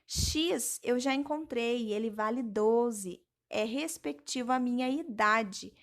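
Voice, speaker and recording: Young woman, high voice, slow pace, patient teacher, step-by-step explanations. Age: young adult. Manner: patient, explains step by step, addresses students as "gente". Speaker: teacher intern. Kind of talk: math lesson walkthrough.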